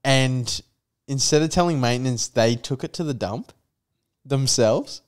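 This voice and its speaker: A man's voice: medium pitch, unhurried. A young man co-hosting a casual podcast on a living room couch, holding a mic, talking loosely in slang and trailing off mid-sentence. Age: young adult. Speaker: podcast co-host. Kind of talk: casual chat. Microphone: handheld mic.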